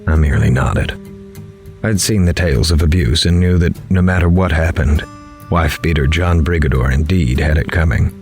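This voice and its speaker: Grave, low-voiced reporter. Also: male voice, moderate pace, darkish tone. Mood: tense, grave. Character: uneasy male reporter recounting a prison interview. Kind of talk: dramatic first-person narration in audio drama. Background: music.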